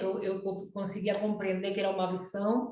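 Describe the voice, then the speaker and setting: Speaking at a moderate pace, a woman with a Spanish accent has a dark, mellow tone. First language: Spanish (speaking Portuguese). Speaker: evangelical preacher. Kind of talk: prophetic testimony. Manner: halting, with repetitions and fillers.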